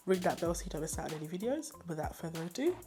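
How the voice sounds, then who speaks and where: A woman's voice: fairly low pitch, very animated, racing, over music. A young woman, a bit nasal from a cold, chatting enthusiastically as she reviews beauty products she has used up. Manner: chatty, enthusiastic, laughs often. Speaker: beauty vlogger. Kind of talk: casual product review chat.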